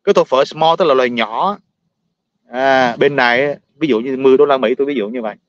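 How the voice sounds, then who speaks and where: Southern vietnamese guy ranting fast to his viewers, blunt, laughs a lot, kinda dull dry mic. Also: medium pitch, dry recording. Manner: blunt, ranting, laughs often, repeats words. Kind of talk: casual monologue to viewers.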